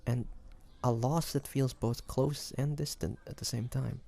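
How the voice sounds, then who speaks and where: A man playing an earnest, guilt-ridden demon hunter in an audio roleplay, speaking gently and haltingly to the listener. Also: medium pitch, steady tone, creaky. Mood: reflective, remorseful. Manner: hesitant, halting, soft-hearted delivery with pauses. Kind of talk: dramatic audio roleplay acting addressed to the listener.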